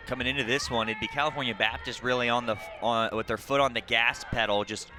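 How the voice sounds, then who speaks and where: A man doing live TV soccer play-by-play, mixing short clipped calls of the action with statistical recaps. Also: medium pitch. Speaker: play-by-play sports commentator. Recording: clearly noisy outdoor broadcast with crowd ambience. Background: crowd and outdoor ambient noise.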